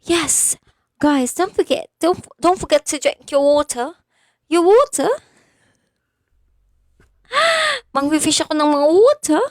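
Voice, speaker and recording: A woman's voice: high voice, expressive, slow pace, long pauses, no room sound, clean studio sound. A young woman from Bulacan in the Philippines, chatting casually on a phone livestream and thanking her viewers by name. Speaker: idol livestreamer.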